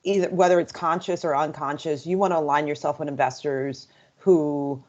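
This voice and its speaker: Woman panelist with a very low voice, measured and advisory, dull call audio. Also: steady tone, darkish tone. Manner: measured, frequent "you know". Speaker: panelist, investor. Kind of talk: casual panel discussion. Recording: muffled lo-fi video call audio.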